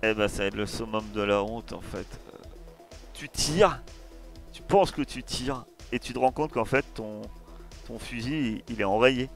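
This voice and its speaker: A man acting as game master, narrating a tabletop horror game in slow, searching, descriptive scene-setting. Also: medium pitch, soft background music.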